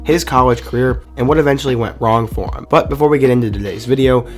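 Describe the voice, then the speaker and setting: A man's voice: medium pitch, quick pace, soft background music. A man hosting a sports video channel, reading a scripted narration in an upbeat, conversational fan tone while getting over the flu. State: recovering from the flu. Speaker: YouTube sports video host.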